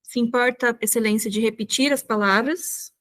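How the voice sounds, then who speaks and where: A woman with a Brazilian Portuguese accent answers exam questions in a fairly high voice. She addresses the examiner politely and formally. She often hesitates with fillers as she works out her answers. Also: steady tone, moderate pace, a bit bright. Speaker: exam candidate.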